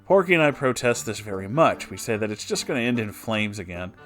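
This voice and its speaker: A man's voice: lowish voice, big pitch swings, fairly quick, a bit bright, faint music behind. A man narrator reading a written personal story aloud, with brief asides of his own. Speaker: narrator reading online stories.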